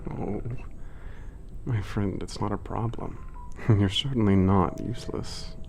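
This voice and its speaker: A man voicing an ancient, gentle male giant who speaks calmly and formally. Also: fairly low pitch, slow pace, slight background noise. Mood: kind. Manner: calm, formal, soft-spoken. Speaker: letter-writing narrator. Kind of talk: ASMR audio drama.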